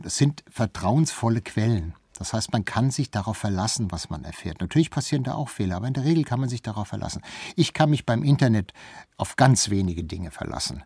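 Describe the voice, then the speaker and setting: A man's voice: lowish voice, a little mellow, slightly rough, no echo. A man speaking as an expert interview guest, explaining things in detail with examples.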